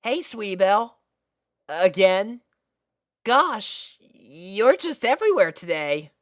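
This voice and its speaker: A woman's voice: mid-range voice, very animated, slow pace, pitched above the performer's own voice. A woman voicing a casual, mildly bewildered young boy dragon in a storybook reading. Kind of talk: storybook character voice in a fan fiction reading.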